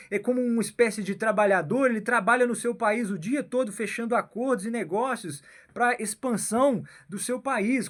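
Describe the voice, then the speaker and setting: A man with a Brazilian accent giving a rambling political monologue, tagging his phrases with a questioning "né?" and "my son" and often restarting himself. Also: high voice. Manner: keeps adding "né?" and "meu filho"; halting, repeats and restarts phrases. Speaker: political commentator.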